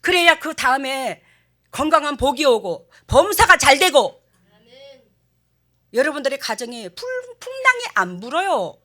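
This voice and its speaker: An older woman pastor, preaching a sermon and telling stories with animated acted-out quotes. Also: high voice, a little slow, long pauses. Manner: animated storytelling, acting out quotes.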